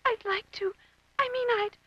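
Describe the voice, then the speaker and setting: A woman's voice: very high-pitched, normal speed, no room sound. A woman voicing a timid, sweet-natured young girl in a children's storybook drama, hesitant and wide-eyed. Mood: tearful, hesitant. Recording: dull lo-fi audio with faint music.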